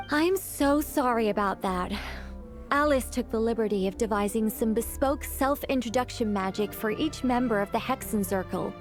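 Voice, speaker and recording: A woman voicing a reserved witch in a video game who speaks formally and turns flustered when embarrassed. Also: high voice.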